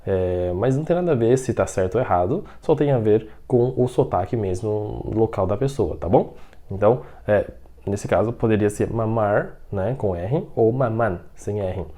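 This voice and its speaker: Leading a language lesson, this Mandarin teacher speaks with a Brazilian Portuguese accent in a lowish, dark, animated voice. He's patient in his explanations, checks in often with the learner, and slows way down when modeling example sentences.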